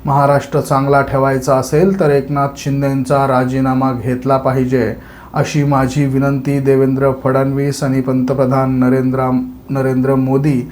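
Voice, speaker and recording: A man's voice: mid-range voice, completely flat delivery, moderate pace, a little mellow, a little hiss or hum. A man reading a scripted news report as a presenter.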